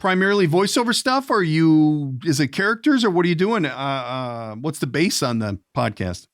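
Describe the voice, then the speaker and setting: Animated male podcast host, very dry sound. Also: on the high side, moderate pace, dry recording. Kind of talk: casual interview.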